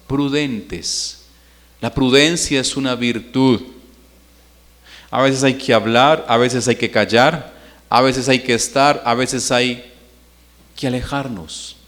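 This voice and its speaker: A man's voice: mid-range voice, a bit bright. A man, preaching a Sunday sermon in church and putting questions to the congregation. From Colombia. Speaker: pastor.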